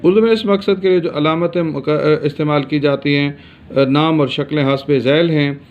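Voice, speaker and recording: Higher-voiced man teaching grammar, lo-fi. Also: moderate pace. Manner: steady explanatory reading with frequent hesitation sounds. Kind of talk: grammar lesson. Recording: dull lo-fi recording.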